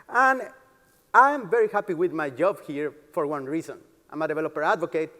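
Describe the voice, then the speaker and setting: A man speaks to a conference in a large hall with long reverb around his voice. He explains things as a developer advocate, informally and with enthusiasm, pausing and feeling for words at times. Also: on the high side, fairly bright tone.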